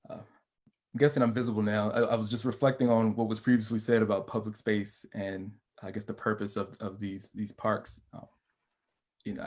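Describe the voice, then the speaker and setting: Soft-spoken Virginia man, flat and low. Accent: rural South Central Virginia. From rural South Central Virginia. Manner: measured, reflective, with hesitations. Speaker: public historian. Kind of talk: panel discussion.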